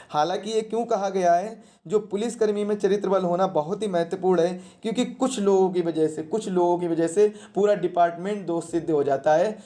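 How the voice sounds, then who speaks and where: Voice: mid-range voice, dark tone. A teacher giving a question-and-answer exam lesson in a didactic way, repeating questions and answers and posing rhetorical questions.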